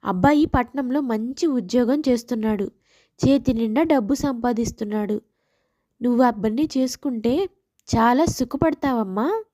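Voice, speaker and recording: A persuasive village mother, played by a woman storyteller, speaks in a high, mellow voice. She coaxes gently, in a close, dry sound suited to a moral tale. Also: moderate pace, dry recording, close to an everyday voice. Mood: coaxing. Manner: coaxing. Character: persuasive village mother advising her daughter on marriage.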